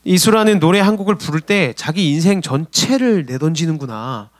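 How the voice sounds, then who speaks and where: A man preaching a sermon as a youth pastor, animated and acting out people's complaints in his own voice. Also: a little high, moderate pace, no echo, clean studio sound. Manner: animated, acts out quoted complaints. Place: church service.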